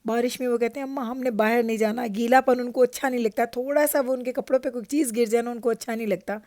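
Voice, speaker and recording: Narrating her home vlog in Canada, a middle-aged vlogger with a Pakistani Urdu accent chats and tells stories with frequent laughter. Her voice is on the high side with a dark tone, fairly even intonation, and a quick pace. The sound is clean studio quality, with no echo.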